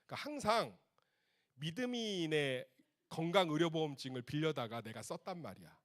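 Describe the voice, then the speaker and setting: A middle-aged male pastor with a slightly higher-than-average voice preaches to teenagers at a retreat. He tells stories with lively energy, talking to them casually and directly. His delivery jumps between loud bursts and quiet, hushed moments. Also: normal speed. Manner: animated storytelling, swings between loud outbursts and soft hushed passages; addresses teens directly in casual speech. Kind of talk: youth retreat sermon.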